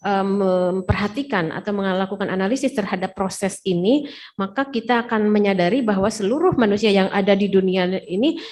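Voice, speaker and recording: A woman's voice: mid-range voice, fairly quick, darkish tone. A woman interpreting a lecture over a video call, rephrasing each passage with frequent hesitation fillers. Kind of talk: consecutive interpreting.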